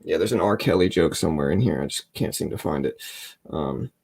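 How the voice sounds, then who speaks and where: A middle-aged man with a raspy morning voice, chatting casually as a livestream host in a joking, self-deprecating, rambling way. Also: lively intonation, brisk, darkish tone. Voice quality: deep morning voice. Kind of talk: casual live trading commentary to chat.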